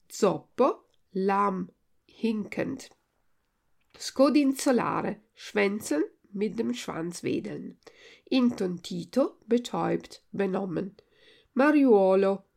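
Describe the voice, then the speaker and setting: A woman teacher reading a story aloud in a measured, deliberate way and giving word translations. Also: mid-range voice, vocal fry. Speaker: language teacher and reader.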